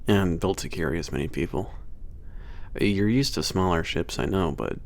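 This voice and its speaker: A man's voice: deep voice, normal speed, creaky. A man playing a casual werewolf maintenance trainer with some attitude, teasing and a little hesitant, in an ASMR audio drama. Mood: casual, wry. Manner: hesitant, teasing, sighing and chuckling casual talk.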